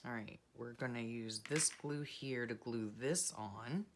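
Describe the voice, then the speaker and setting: A woman vlogger chatting casually and rambling softly while she works on a journal craft. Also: extremely low pitch, a little slow, noisy background. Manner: soft-spoken, rambling, self-deprecating, many fillers. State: frog in her throat.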